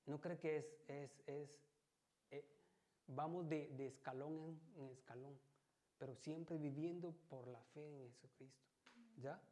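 Man, church sermon, chatty, mellow dark voice. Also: a little high, steady tone, measured pace. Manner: conversational, constantly checks with listeners. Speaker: lay preacher.

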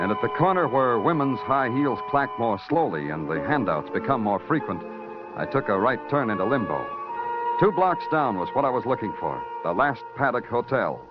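Brief: a world-weary cop narrator, low, lively delivery, dull old radio with music. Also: male voice. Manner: dry wisecracking, terse noir narration. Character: hard-boiled male police detective. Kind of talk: 1950s radio noir narration.

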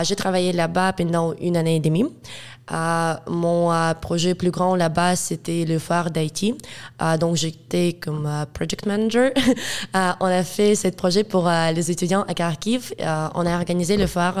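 A woman's voice: fairly low pitch, darkish tone, smooth. An eighteen-year-old woman from Ukraine with a Ukrainian accent, speaking French as a second language in a casual interview, hesitant with many fillers and laughs. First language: Russian and Ukrainian. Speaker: guest, student.

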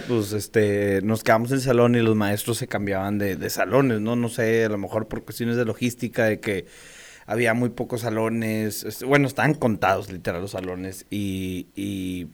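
A young man with a Mexican Spanish accent tells an old school story in casual chat. He talks in slang and keeps it lively, jumping into other people's voices as he goes. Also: fairly low pitch.

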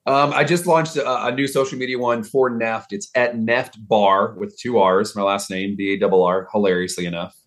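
Man from texas, podcast guest, lowish voice, relaxed, lots of ums and uhs. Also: normal speed, few pauses. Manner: easygoing, talkative, frequent fillers. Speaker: guest, vodka brand bartender. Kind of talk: casual chat.

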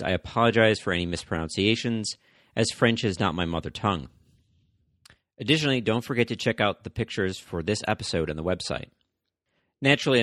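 A man with a very low voice reads his history podcast narration. His delivery is measured, with an occasional "uh" or a restarted word. The recording is close and dry. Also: a bit bright, dry recording. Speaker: podcast host.

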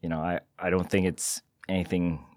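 A man from Singapore, with a notably low voice, answers a podcast host in a dry studio. He speaks modestly and measuredly, pausing often with small hesitations. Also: level tone, a little mellow, no echo. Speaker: guest. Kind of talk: interview answers.

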